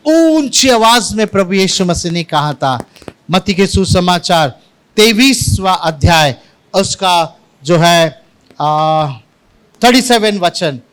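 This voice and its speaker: A man's voice: sits high, a bit bright. A man preaching a Sunday sermon in church, telling anecdotes and mixing in English words. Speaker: pastor. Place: church service.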